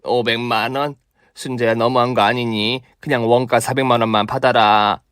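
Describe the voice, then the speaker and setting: A man's voice: mid-range voice, flat delivery, moderate pace, a bit bright, smooth, dry recording, clean studio sound, lightly acted. A man voicing a shameless, freeloading older mother-in-law in a comic radio drama, melodramatic and wheedling. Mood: haggling.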